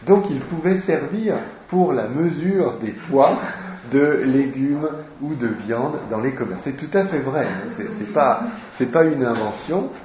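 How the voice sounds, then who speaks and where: A man teaching literature, walking through a novel page by page and pausing often to find his words. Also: medium pitch, lively intonation, darkish tone, slight background noise. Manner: slow and deliberate, with frequent hesitations. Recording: roomy, dull lo-fi recording.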